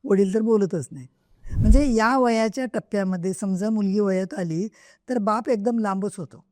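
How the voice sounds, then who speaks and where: Speaking at a moderate pace in a dark, mid-range voice, a middle-aged guest author responds to interview questions. She's earnest and emphatic, repeating herself to drive points home, and the podcast microphone captures clean studio sound with no room echo.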